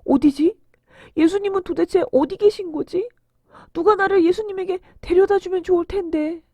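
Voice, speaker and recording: Blind beggar, acted by a woman: male character, high pitched, emotional and imploring, very animated, close dry sound. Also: normal speed, dry recording. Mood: anxious. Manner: emotional, crying out pleadingly. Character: desperate blind beggar man, pleading, hopeful, then overjoyed. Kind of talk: dramatised children's Bible storytelling.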